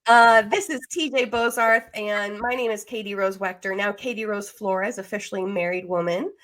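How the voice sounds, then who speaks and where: A woman's voice: medium pitch, steady tone, moderate pace, a bit bright. A woman in her thirties with an American accent, chatty and enthusiastic as she hosts a conversational interview podcast. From Las Vegas, United States. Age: 30s. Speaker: podcast host.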